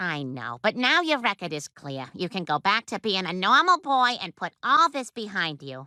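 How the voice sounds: A cartoonish character voice, female-sounding and at medium pitch, swings very widely in pitch with hardly any pauses. The recording is very clean with a silent background. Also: moderate pace.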